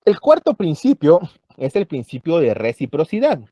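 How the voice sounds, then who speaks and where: A man teaching a university law class, explaining each point slowly and checking in with his students again and again. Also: fairly high pitch, wildly swooping pitch, mellow, no room sound. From Guatemala. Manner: explanatory, checks understanding with frequent "¿verdad?". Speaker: law lecturer. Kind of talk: university lecture.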